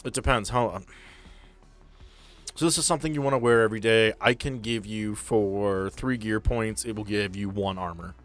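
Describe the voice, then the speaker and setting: A man's voice: on the low side, normal speed. A man working as game master of a role-playing podcast, explaining and narrating casually with joking, sweary asides, with music behind him.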